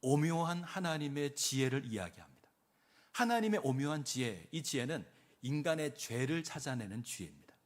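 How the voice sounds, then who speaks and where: A man's voice: medium pitch, big pitch swings, normal speed. A man, a pastor, preaching a sermon and acting out quoted speech with rising emphasis.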